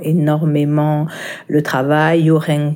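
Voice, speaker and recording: A woman's very deep, low voice with a dark, mellow tone, at a very slow pace. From Val-d'Oise, Paris suburbs. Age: 30s. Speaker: afrofeminist activist and essayist. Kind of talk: personal testimony interview. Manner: hesitant, many fillers.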